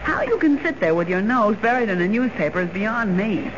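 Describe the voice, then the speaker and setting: An actress as a sharp, impatient girl reporter, scolding and prodding; muffled old broadcast. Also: mid-range voice, lively intonation, brisk, close to an everyday voice. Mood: exasperated. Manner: impatient, bossy, exasperated. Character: sharp, curious young woman reporter. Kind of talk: 1940s radio acting. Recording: muffled hissy 1940s radio recording.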